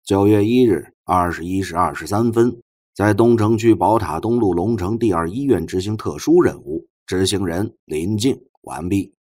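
Man voicing thirtyish Buddhist agent, serene, drawn-out chant, husky, audiobook character. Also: deep voice. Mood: deadpan, official. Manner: flat, droning, chanting. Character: placid, pious thirtyish male Buddhist field agent.

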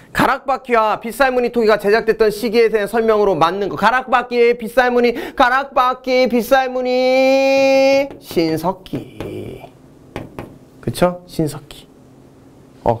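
A middle-aged male lecturer with a high-set voice that leaps around as he teaches exam questions. He jokes constantly and jumps between loud bursts and muttered asides. His energy is restless and playful. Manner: animated, joking, swings between loud and mumbled asides. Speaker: history lecturer.

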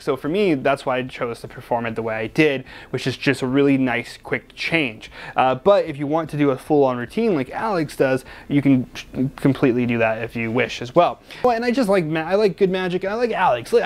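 Young man, magic review host, casual, chatty, rambling, joking, slightly high voice. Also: lively intonation, brisk, hardly any pauses. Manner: chatty, rambling, joking, many restarts and fillers.

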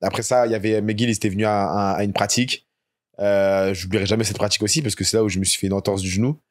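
A man's voice: fairly low pitch, fairly even intonation, quick pace. A young man from France telling stories as a podcast guest in casual chat, laughing often.

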